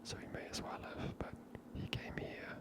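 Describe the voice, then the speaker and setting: A woman whispers breathily in a hushed, casual, musing way as she hosts an ASMR video game playthrough. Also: moderate pace. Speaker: host of a gameplay series. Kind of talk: ASMR gameplay commentary.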